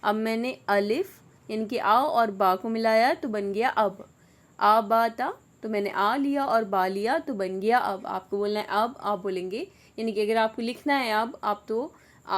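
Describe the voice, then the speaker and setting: Patient woman syllables. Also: fairly high pitch. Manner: slow, drawn-out syllables for repetition; frequent "theek hai" checks with the learner. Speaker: Urdu teacher. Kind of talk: online beginner lesson.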